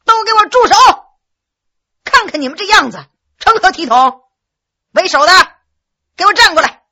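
A woman's voice: very high-pitched, expressive, moderate pace, pushed and bright, pitched above the performer's own voice, exaggerated voice. A woman storyteller playing a commanding young prince, hot-tempered and calculating, with an authoritative manner. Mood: angry command. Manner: authoritative, scolding or coaxing.

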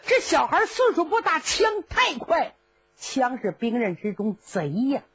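Woman telling an old tale, high lively voice, kinda muffled recording. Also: faint music behind. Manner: brisk, vivid narration. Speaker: storyteller. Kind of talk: traditional storytelling performance.

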